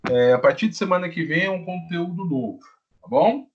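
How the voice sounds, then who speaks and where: A man teaching chemistry in a live online class, talking to students with frequent check-ins and slowing down to stress key rules. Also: a little high, muffled recording. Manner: lively, repetitive teacher talk, often checks in with "tá?".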